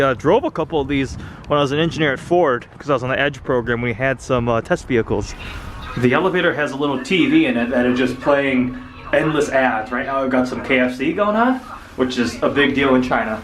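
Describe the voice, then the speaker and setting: A man's voice: a little high, a bit bright, slight background noise. A young American man narrating a casual car-spotting vlog as he walks, chatty and pointing things out. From United States. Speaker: car vlogger. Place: outdoors on city streets and in shops. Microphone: handheld camera mic.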